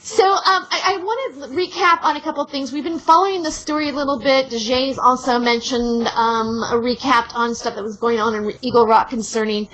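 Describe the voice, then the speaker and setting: A woman's voice: sits high, steady tone, fairly quick, hardly any pauses, a bit bright, slight background noise, rough recording. A woman hosting a casual radio talk show, interviewing guests and stumbling over words at times.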